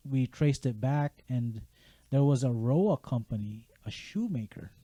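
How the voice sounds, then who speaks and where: Guy from the philippines, guest on a podcast, warm mellow voice, laid back, dry mic. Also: mid-range voice, measured pace, dry recording. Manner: relaxed storyteller, casual slang, laughs easily. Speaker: guest, game app developer. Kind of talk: casual interview chat.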